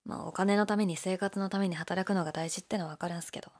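A young woman playing a laid-back, shyly candid gyaru convenience-store clerk in an audio drama, with a breathy, hesitant, mumbled delivery. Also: steady tone, fast. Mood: low-key, candid. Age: young adult. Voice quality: low, breathy. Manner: listless, hesitant, mumbled casual polite speech. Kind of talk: male-oriented situation voice drama, casual chat.

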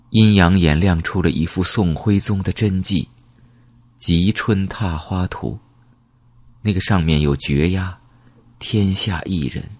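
A man's voice: low-pitched, darkish tone, slightly rough, dry recording. A man narrating a novel as an audiobook in a dramatic storytelling manner, dropping to a whisper for grim details.

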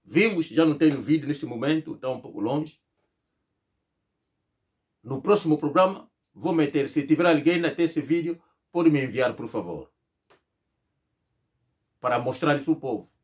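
A middle-aged man from Angola speaks to a fixed camera in a small indoor room, his voice pitched high. He delivers a rhetorical political monologue, stressing each point and mocking the replies he imagines. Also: lively intonation, normal speed, long pauses. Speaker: political commentator. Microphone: fixed camera, seated at medium distance.

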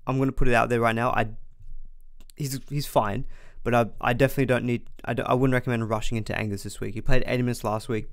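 A man's voice: mid-range voice, no room sound, studio quality. A man, hosting a casual fantasy sports live stream at home, slightly congested from a cold, chatty and reading viewer comments. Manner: chatty, reads viewer comments aloud, frequent restarts.

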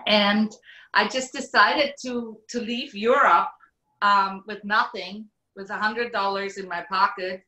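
A woman's voice: medium pitch, fairly even intonation, a little slow, pushed and bright. A middle-aged woman from Switzerland, a guest telling her story plainly on a casual video call from home. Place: home room. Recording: echoey room on a video call.

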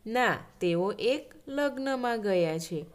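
A woman's voice: on the high side, lively intonation, slow pace. A woman voicing a little boy mouse with a stomach ache in a children's story, in a plaintive, pleading way.

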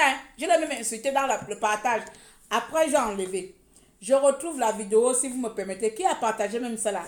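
High-pitched woman ranting in an echoey room. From Gabon. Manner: heated and mocking, repeating words. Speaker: online commentator. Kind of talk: live social media rant.

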